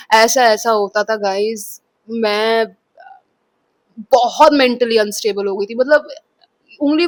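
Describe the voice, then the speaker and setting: A woman's voice: fairly high pitch, fairly bright tone, no room sound. A young woman vlogger telling an emotional personal story, mixing in English phrases, repeating words and acting out what others said. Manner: mixes Hindi with English phrases, acts out quotes; repeats words, addresses viewers as guys.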